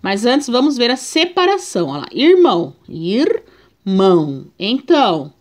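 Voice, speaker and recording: A woman's voice: sits high, wildly swooping pitch, brisk, a little mellow. A Brazilian woman teaching a remote reading lesson to young children, patiently drawing out each syllable. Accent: Brazilian Portuguese. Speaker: primary school teacher.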